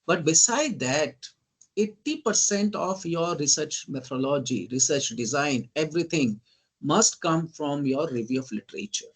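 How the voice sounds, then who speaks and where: Higher-voiced Indian English man lecturing. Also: lively intonation, normal speed, husky. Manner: often asks "right?" and says "ladies and gentlemen"; lists terms in emphatic bursts. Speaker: guest lecturer. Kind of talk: online teaching lecture.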